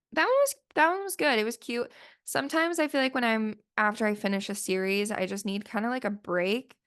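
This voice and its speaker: Solo podcast host, woman, chatty and rambling, smooth voice, a bit sniffly after the flu. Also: mid-range voice. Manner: chatty, rambling, lots of "like" fillers. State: sniffly, voice still recovering from flu. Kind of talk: casual solo podcast chat.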